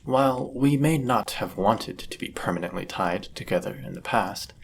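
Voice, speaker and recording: A man's voice: lowish voice, vocal fry, a little hiss or hum. A man voicing a powerful, possessive demon in love, speaking intensely and formally in a dramatic fantasy audio roleplay. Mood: earnest, possessive. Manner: intense, deliberate, formal and archaic phrasing. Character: powerful, possessive, lovestruck male demon bound to a sorcerer.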